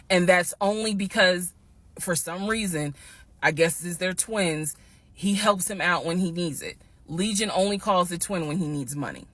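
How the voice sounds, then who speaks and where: A woman casually telling a personal story to her viewers, animated and emphatic, slowing down to stress the key points. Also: lowish voice. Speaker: storytime vlogger.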